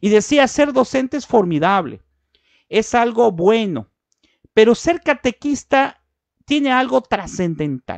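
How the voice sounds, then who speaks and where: Against a quiet background with dry sound and no echo, a man speaks very slowly in a high voice, with very wide pitch swings and long, frequent pauses. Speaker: catechist and computer science teacher; computer science teacher. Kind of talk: online course lecture. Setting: live online stream. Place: home room. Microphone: studio mic.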